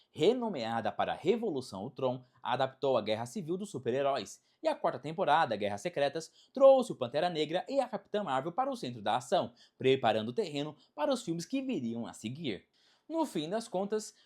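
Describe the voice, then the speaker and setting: A Brazilian narrator delivers a scripted video essay at a medium pitch. The intonation is very animated, rising and falling widely. Phrasing is emphatic and dramatic, built to present and explain. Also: fairly quick.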